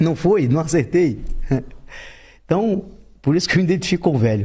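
A man with a Rio accent talks at a fairly high pitch in a dark, mellow tone, with very wide pitch swings. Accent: Brazilian Portuguese (Rio). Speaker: MMA fighter and war volunteer. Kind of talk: casual chat.

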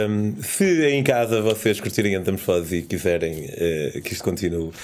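With a European Portuguese accent, a man of fairly low pitch speaks with lively intonation on a very clean recording with a silent background. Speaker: podcast host and travel writer. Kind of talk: sales pitch; casual chat.

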